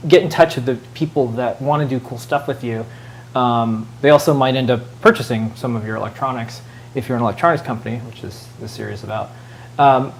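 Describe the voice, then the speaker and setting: A man's voice: mid-range voice, a little hiss or hum. A man co-hosting a show in casual chat, rambling along with many fillers and side remarks. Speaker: show co-host.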